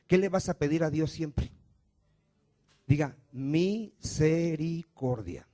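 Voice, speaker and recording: A man preaching a sermon as pastor, asking the congregation questions and answering them himself, moving between loud emphatic lines and soft low ones. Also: fairly even intonation, normal speed. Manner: call-and-response preaching, asks congregation questions.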